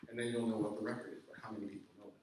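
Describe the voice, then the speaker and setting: A man's voice: lowish voice, level tone, racing, darkish tone, slight background noise. A man speaking as guest at a civic meetup, emphatic and direct, often checking in with "okay?" as he answers audience questions. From Canada. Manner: emphatic, peppered with "okay?" and "I can tell you". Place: large echoey meeting room. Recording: echoey room from a distance.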